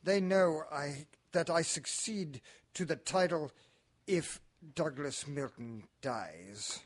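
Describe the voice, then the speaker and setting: A sly, high-pitched gentleman villain, acted by a man in a radio mystery drama. He is arch and falsely genial, taunting his listeners with mocking politeness. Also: expressive, takes it slowly. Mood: taunting, menacing. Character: sly, mocking male heir with murderous plans.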